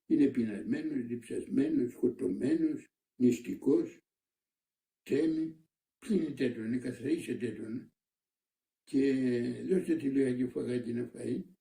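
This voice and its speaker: A man's voice: mid-range voice, mellow, natural voice. An older man voicing a kindly male traveler who urges a wounded man on, insistent and reassuring, recorded in a roomy space from a distant mic. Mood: pleading.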